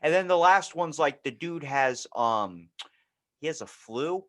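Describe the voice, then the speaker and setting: A man's voice: a little high, animated, a little slow, fairly bright tone. A man hosting a podcast in casual chat, telling rambling anecdotes in a blunt, profane, irreverent way. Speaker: podcast host.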